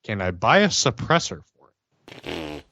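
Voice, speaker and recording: A man's voice: deep voice, wildly swooping pitch, a little slow, vocal fry, bright, forceful tone, a little hiss or hum. A man playing a tabletop game, chatting casually in an informal, blunt way. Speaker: player in a tabletop RPG podcast.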